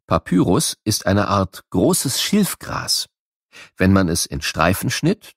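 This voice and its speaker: A man's voice: on the low side, dry recording, studio quality. A man with a standard German accent narrating scripted educational material for children in an explanatory, storytelling manner. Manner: explanatory, storytelling, addressing listeners with questions.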